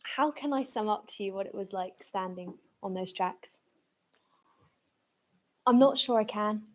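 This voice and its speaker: A woman's voice: medium pitch, a little slow. A woman speaking earnestly at a commemorative event, reflective and using emphatic repetition. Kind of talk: reflective public talk.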